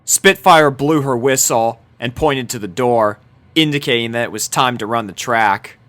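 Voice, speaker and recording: A man's voice: mid-range voice, normal speed, fairly bright tone. A man reading a scripted fan-fiction story aloud as narrator.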